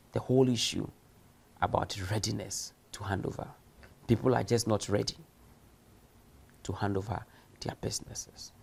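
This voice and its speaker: The voice is mid-range, gravelly and a bit mellow: a man recording a university lecture for distance learners. He speaks emphatically, asking rhetorical questions and acting out examples.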